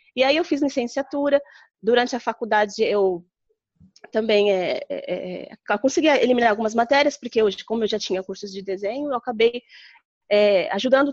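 Fairly quick and at a fairly high pitch, a woman talks with ordinary pitch variation. She has a plain, everyday voice. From Brazil, Guarulhos (São Paulo state). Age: 30s. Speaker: painter and art teacher. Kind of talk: interview.

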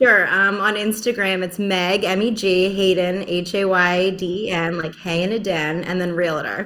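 In a flat, monotone delivery, a woman with a medium-pitched voice and an American accent speaks at a fairly slow pace with hardly any pauses, and the room echo is audible. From New Jersey. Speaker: realtor. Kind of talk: casual chat.

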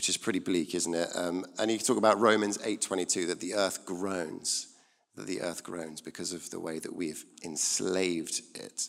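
A man speaks at a moderate pace in a very deep, low voice. His intonation stays fairly even. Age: 20s. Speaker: church speaker. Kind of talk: sermon. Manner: casual.

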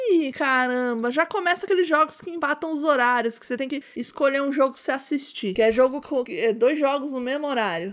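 With noticeable background noise behind her, a woman talks in an animated tone at a high pitch, her pitch moving in an ordinary way. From São Paulo, Brazil. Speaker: podcast host. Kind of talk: casual chat. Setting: home studio.

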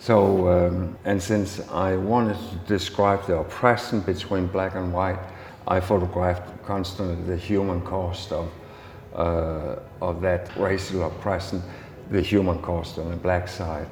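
A man's very deep, low voice with a Danish accent at a fairly slow pace, in monotone, flat intonation, with noticeable background noise. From Denmark. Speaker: photographer. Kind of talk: interview. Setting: festival.

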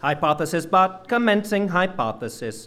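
A put-on robotic character voice at middle pitch and a moderate pace. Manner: commencing, playful.

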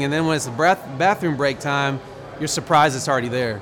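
A man's fairly high voice with an American accent over noticeable background noise. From Oklahoma. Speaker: workshop attendee, business owner. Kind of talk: testimonial.

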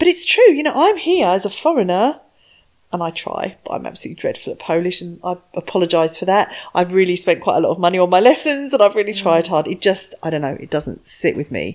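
A woman's medium-pitched voice with an English accent, very fast and with lively intonation, on a very clean recording with a silent background. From England. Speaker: business trainer. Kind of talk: interview.

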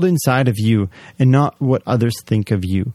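Over a quiet background, a man speaks at a moderate pace in a dark, mellow tone. His intonation is lively, and the sound is dry and close with no echo. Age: 30s. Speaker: podcast host and financial planner. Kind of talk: solo podcast monologue.

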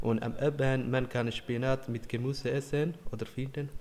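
A man talks in a Somali accent at a medium pitch. His intonation stays monotone and flat. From Somalia. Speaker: language learner. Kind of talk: reading aloud.

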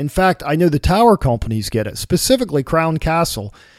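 Recorded very cleanly against a silent background, a man with a normal speaking voice talks at a moderate pace with lively intonation. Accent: American. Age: 50s. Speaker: wireless industry podcast host. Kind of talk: solo podcast commentary. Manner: casual, conversational.

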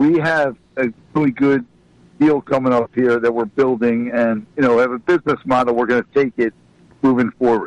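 A man talks at a moderate pace and medium pitch with fairly even intonation and very even loudness. It is a plain, everyday voice, recorded dry and close with no echo. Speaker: boxing event promoter. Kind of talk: casual chat. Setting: phone call.

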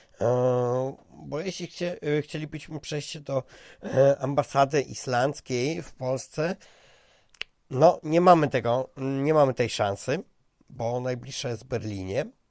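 With long, frequent pauses, a man talks at a very slow pace in a fairly high pitch with ordinary pitch variation. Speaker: radio host. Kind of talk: casual chat. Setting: online call, in a cold basement.

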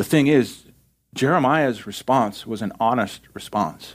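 The recording is very clean, with a silent background. A man talks with ordinary pitch variation. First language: not English. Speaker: pastor. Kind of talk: sermon. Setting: church.

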